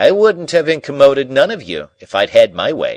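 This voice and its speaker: A man does a put-on character voice, gruff and growling, at a fairly high pitch. He moves at a moderate pace with big swings in loudness. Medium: read story. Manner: gruff, growling.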